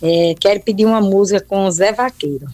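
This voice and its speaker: A middle-aged woman calling a radio show. She speaks slowly and earnestly, and her voice is mid-pitched. The sound is dry and close. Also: darkish tone, no room sound. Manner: slow, earnest dedication with blessings. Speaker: radio caller.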